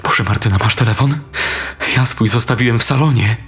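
A man's voice: mid-range voice, fairly quick, lightly acted. A man voicing a panicked, swearing young man of twenty-two in a horror story. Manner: frantic, shouting curses.

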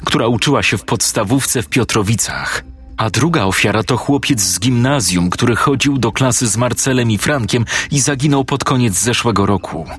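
A man doing a calm, firm woman detective. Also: mid-range voice, moderate pace, slightly rough. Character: determined female police detective, adult.

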